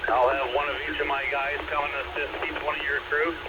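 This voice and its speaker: A man's voice: a little high, flat delivery, fairly quick. A male firefighter giving terse procedural radio traffic over a two-way radio. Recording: muffled radio scanner, very loud noise.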